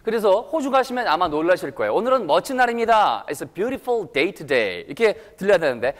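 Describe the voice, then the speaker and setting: A man's voice: high-pitched, big pitch swings, moderate pace. A man giving a playful English lesson to a live audience, coaxing them to repeat after him. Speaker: English lecturer. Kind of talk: lively public lecture to an audience. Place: lecture hall. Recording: reverberant hall.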